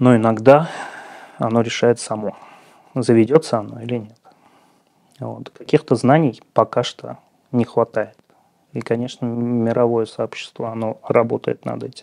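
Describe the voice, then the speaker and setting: A man with a dark, mellow tone talks at a fairly slow pace, his intonation fairly even. He leaves long, frequent pauses against a quiet background. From Armenia, Yerevan, then Moscow. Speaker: cardiac surgeon; guest. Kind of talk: interview. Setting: studio. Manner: hesitant, many filler sounds. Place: studio. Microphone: lapel.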